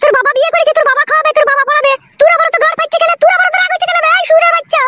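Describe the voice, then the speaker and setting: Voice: very high-pitched, fairly even intonation, rapid-fire. Jhuma, a raging cartoon wife. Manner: screeching abuse. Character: furious foul-mouthed village wife Jhuma, twice married. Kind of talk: cartoon comedy dialogue. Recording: loud background noise.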